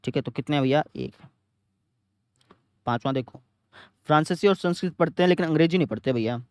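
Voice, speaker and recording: A man's voice: fairly high pitch, fairly quick, a little mellow, clean tone, no room sound, clean studio sound. A young man teaching a math lesson, repeating each step and answering his own questions, with a north Indian Hindi accent. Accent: Hindi-speaking north India. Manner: repetitive, explains step by step, asks questions and answers himself.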